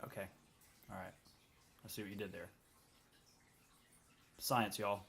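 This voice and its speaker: A man with a Southern US accent and a folksy old-gentleman drawl, making wry, casual commentary over an art video. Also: fairly low pitch, fairly even intonation, a little slow, breathy edge. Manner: wry, joking.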